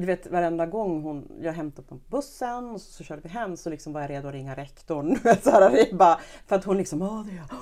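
Very fast and lively in intonation, a woman speaks with a dark, mellow tone at a fairly low pitch, her loudness swinging widely. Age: 40s. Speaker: guest, mother and friend of host. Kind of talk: casual chat.

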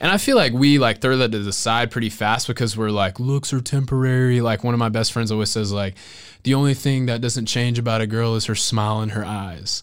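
A man's medium-pitched, ordinary speaking voice with an American accent, fairly even intonation and a fairly quick pace. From US South, Georgia. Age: 20s. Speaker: youth pastor. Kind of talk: casual podcast interview, testimony.

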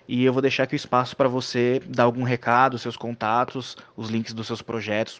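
A man talks at a fairly quick pace. He has an ordinary speaking voice at a medium pitch. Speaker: podcast host. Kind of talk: casual chat.

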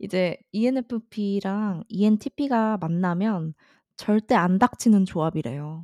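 Speaking at a very slow pace, a woman with medium pitch, a dark, mellow tone and ordinary pitch variation sounds dry and close with no echo, on a very clean recording with a silent background. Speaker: podcast co-host. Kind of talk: casual chat.

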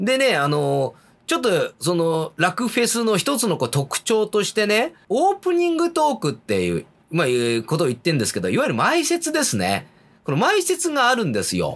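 This man talks at a moderate pace. The recording is very clean, with a silent background. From Japan, Yokohama. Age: 30s. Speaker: rakugo storyteller, podcast host. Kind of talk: casual solo podcast talk. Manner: loud.

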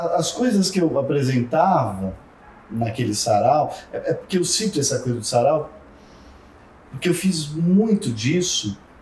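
A man's fairly high pitch at a fairly slow pace, with very wide pitch swings. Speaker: stage actor and director. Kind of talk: casual interview.

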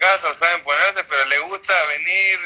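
This man has a high-pitched voice. Noticeable background noise runs behind him. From Argentina, La Plata. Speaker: helper at the Western Wall, religious volunteer. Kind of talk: interview.

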